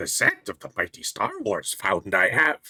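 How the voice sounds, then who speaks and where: Someone performs a put-on character voice, talking at neither a fast nor slow speed. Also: man. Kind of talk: inverted, odd word order.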